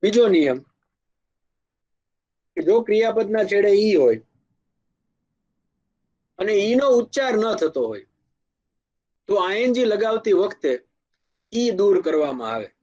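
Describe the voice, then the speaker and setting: A man with a Kathiawadi Gujarati accent teaching an English grammar lecture, explaining slowly with spoken examples and asides. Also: sits high, big pitch swings, darkish tone, muffled recording. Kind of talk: classroom lecture.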